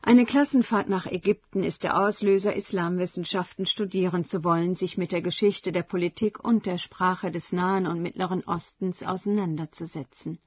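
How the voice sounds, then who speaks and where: A woman narrates a radio feature in a measured, scripted way. Her voice has a slight huskiness, and the recording is dry and a little dull. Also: fairly low pitch, husky, no room sound. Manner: measured, even reading. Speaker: radio reporter.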